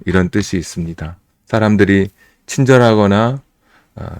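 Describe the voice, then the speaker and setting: A male pastor giving a sermon, explaining the meaning of words slowly and pausing between phrases. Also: on the low side, a little mellow, clean tone, no echo. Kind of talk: sermon teaching on scripture. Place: church.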